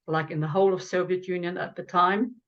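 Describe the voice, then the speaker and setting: A woman's voice: on the low side, fairly even intonation, fairly quick, dull audio. An older woman, originally from Lithuania with Lithuanian as her first language, talks as an author and guest in an earnest, explanatory way with the occasional wry aside. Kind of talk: conversational explanation.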